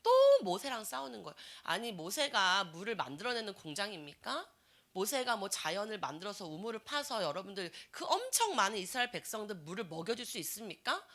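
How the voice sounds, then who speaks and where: A woman's voice: medium pitch, big pitch swings, brisk, pushed and bright. A woman preaching a sermon to a church youth group, asking the teenagers many questions and acting out the people she describes. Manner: acts out complaining voices in quotes.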